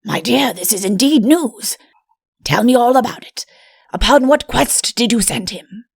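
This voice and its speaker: A genial, self-important king from a fairy-tale audiobook, acted out by a woman. He blusters and rambles like a doting father, with a creaky edge to the voice. The sound is dry and close. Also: on the high side, lively intonation, unhurried, no room sound, exaggerated voice. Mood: eager, bustling. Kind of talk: audiobook character voice.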